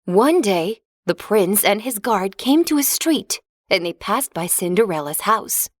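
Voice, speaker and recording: A woman narrating a children's fairy tale in a clear, expressive storybook reading. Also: medium pitch, a little slow, no echo, studio quality.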